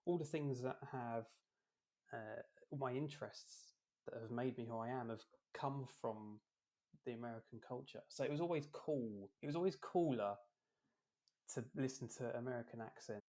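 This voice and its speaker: A man's voice: mid-range voice, moderate pace, darkish tone. A British man from London, a podcast guest and author, talking casually with frequent ums and restarts. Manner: hesitant, with many ums and restarts, joking. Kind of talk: casual interview talk.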